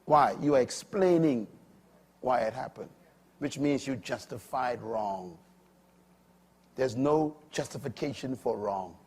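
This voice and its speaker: An older man preaching a sermon, swinging from loud emphatic peaks to quiet low asides. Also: slow pace, pauses often, slightly rough.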